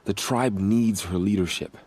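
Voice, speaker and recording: A man playing an earnest, dutiful young tribal warrior in a video game, speaking gravely. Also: fairly low pitch, measured pace, darkish tone, no echo. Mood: earnest, pleading. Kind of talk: dramatic video game dialogue.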